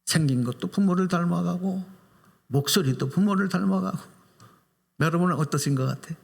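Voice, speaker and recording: In a church sanctuary, a male pastor delivers a lively Sunday sermon, posing questions to his congregation. His voice is high-pitched and creaky, moving at a moderate pace, and the hall is full of reverb.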